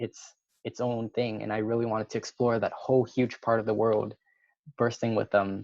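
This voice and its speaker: A man's medium-pitched voice at a moderate pace, monotone and flat, with a dry, close sound and no echo. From Massachusetts, US. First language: Vietnamese and Lao. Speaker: exchange program alumnus. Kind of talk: online panel discussion. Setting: webinar video call.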